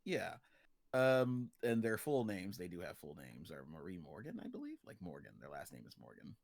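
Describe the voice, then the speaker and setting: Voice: low voice, wildly swooping pitch, moderate pace, vocal fry, darkish tone, no room sound, studio quality. A livestream guest chatting casually, often giggling and playfully acting out quotes. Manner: giggly, playfully self-amused, dramatizes quotes. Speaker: livestream guest and character artist. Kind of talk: casual chat.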